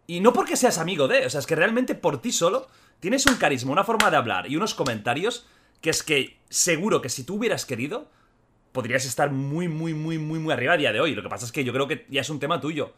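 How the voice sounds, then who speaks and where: A man's voice: on the high side, lively intonation, fast talker, a bit bright, a little hiss or hum. A man hosting a podcast, interviewing in an emphatic, encouraging way. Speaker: podcast host. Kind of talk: casual interview.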